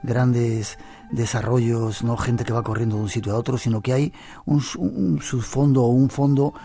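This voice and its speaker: A man's voice: mid-range voice, moderate pace, creaky, mellow, faint music behind. A man hosting a radio interview, asking chatty and teasing questions. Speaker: radio show host.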